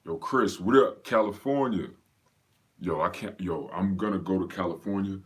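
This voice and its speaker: A man's voice: sits low, normal speed, breathy edge. A man from Pennsylvania, raised in North Carolina, casually hosting a live fitness Q&A and greeting viewers by name in a slangy, laid-back way. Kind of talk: casual livestream chat.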